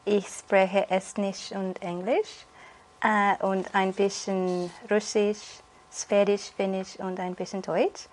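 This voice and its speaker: A woman's voice: medium pitch, flat delivery, takes it slowly, a little mellow. A woman in her twenties from Estonia, answering exam questions with some hesitation and fillers. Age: 20s. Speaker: exam candidate. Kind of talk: spoken language exam answers. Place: indoor room.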